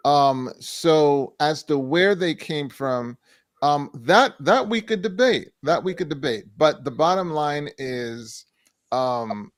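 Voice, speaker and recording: Emphatic man with a high voice. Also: expressive, dry recording. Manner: measured, repeats key phrases for emphasis. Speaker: co-host, doctor answering viewer questions. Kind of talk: faith-based mental health talk show.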